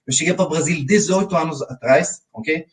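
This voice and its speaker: A man's voice: on the high side, a little fast, recorded from a distance, rough recording. A man in his forties with an Israeli accent, teaching a live financial webinar and often checking in with his viewers. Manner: talks straight to his audience, often checking in with "ok?". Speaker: financial educator.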